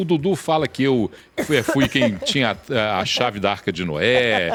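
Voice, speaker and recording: A man is speaking. His pitch swings very widely. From interior of São Paulo state, Brazil. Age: 60s. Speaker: radio host and journalist. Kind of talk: interview.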